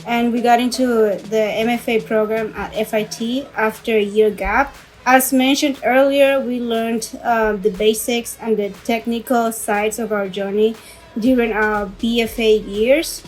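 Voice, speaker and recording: A young woman from the Dominican Republic, a fashion designer, giving measured interview answers with pauses. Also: a little high, fairly even intonation, faint music behind, poor audio. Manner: measured, thoughtful with filler pauses.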